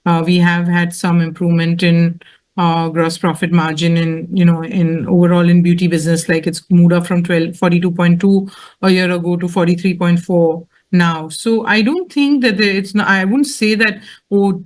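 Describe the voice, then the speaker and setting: A company executive with a measured, explanatory way of talking, answering questions on an earnings call. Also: medium pitch, level tone.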